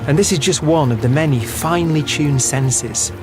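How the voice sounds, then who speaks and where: Man presenting a nature documentary over music. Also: on the high side. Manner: measured, marvelling. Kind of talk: nature documentary narration, wonder-filled and explanatory. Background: prominent background music.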